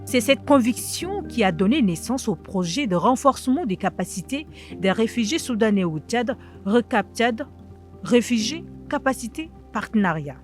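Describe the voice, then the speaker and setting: Woman narrating over clear music. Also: fairly high pitch, very animated, normal speed. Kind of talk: scripted documentary voice-over. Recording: music underneath.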